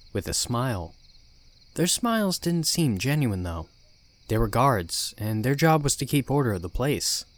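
A man narrating a first-person horror story as the podcast's narrator, in a calm, even telling. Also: mid-range voice.

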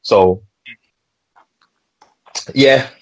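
A man's voice: mid-range voice, extremely slow, no room sound, poor audio. A young man with a London roadman accent and slangy street delivery, chatting casually and repetitively as a music podcast host.

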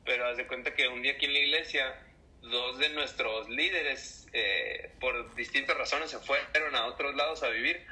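Bright-voiced young Mexican man telling stories. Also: mid-range voice, moderate pace, low-quality recording. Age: 20s. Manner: animated storyteller, acts out voices. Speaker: church musician. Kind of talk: casual interview storytelling.

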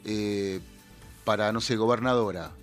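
A man from Buenos Aires province with a Rioplatense accent, co-hosting a casual talk radio chat and giving blunt, slangy opinions with quick retorts. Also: lowish voice, fairly even intonation, soft background music. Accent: Rioplatense Spanish. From Buenos Aires province, Argentina. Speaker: radio co-host.

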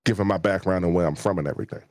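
A man in his forties with a D.C. accent talks casually over a video call, rambling and restarting his sentences with plenty of "like" and "um." His voice sits low, and the sound is dry and close. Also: very fast, no room sound. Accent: Washington, D.C. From Washington, D.C. area. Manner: relaxed, rambling with many fillers and restarts. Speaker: YouTube gaming creator, guest. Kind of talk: casual interview talk.

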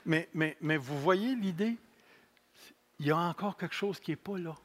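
A man in his sixties preaches with a Québécois accent, his voice sitting a little high for a man. He takes his time, letting each phrase land slowly and repeating the key lines. Self-mocking humor runs through his sermon. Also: fairly bright tone. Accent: Québécois French. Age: 60s. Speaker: pastor.

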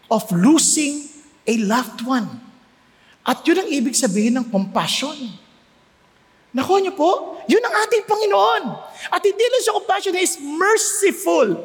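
A man with a Filipino accent preaching a sermon, animated and joking with the congregation as he moves between Tagalog and English. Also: very high voice. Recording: long hall reverb.

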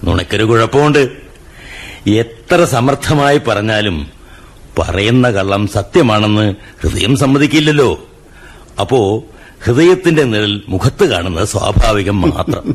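An actor playing a dignified older father who speaks in measured, sermon-like lines about a parent's love, in a radio play. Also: fairly low pitch, expressive. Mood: wry. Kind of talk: 1990s-style radio drama acting. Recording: radio play with music bed.

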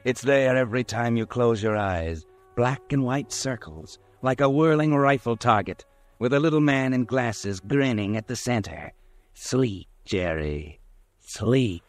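Slow, sinister radio mystery narrator, a man, acted. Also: mid-range voice, animated, no echo, close to an everyday voice. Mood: taunting, hypnotic. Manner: slow, taunting, insinuating. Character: sinister, mocking male narrator taunting the guilty man. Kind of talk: 1940s radio mystery narration, second person.

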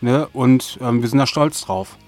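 A man's voice: mid-range voice, measured pace, darkish tone, faint music behind. A man answering casually as a guest in a podcast interview. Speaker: audio drama creator, interview guest.

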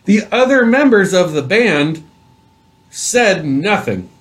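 A man's voice: sits high, big pitch swings, slow pace. A man in his thirties hosting a casual chat over drinks, ranting with emphatic repetition. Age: 30s. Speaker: host.

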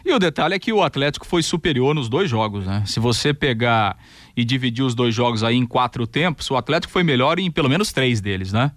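Casual mid-pitched radio panellist. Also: male voice, lively intonation, brisk, fairly bright tone, dry recording. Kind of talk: casual chat.

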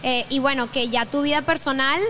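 A young woman with a Venezuelan accent chats casually as a podcast guest, often restarting her sentences, correcting herself, and laughing easily. Her voice sits high with a steady tone, fairly quick and fairly bright, over a little hiss or hum.

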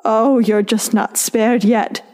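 Imperious goddess-sorceress in echoing hall. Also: female voice, on the high side, level tone, takes it slowly, darkish tone. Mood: vengeful. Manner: imperious, theatrical. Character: proud, wrathful, mocking goddess and scorned sorceress. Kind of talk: audio drama acting.

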